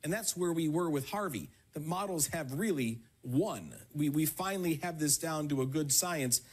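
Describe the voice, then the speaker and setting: Man, weather expert, husky, fairly high voice, confident conversational news commentary. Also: lively intonation, moderate pace, rough recording.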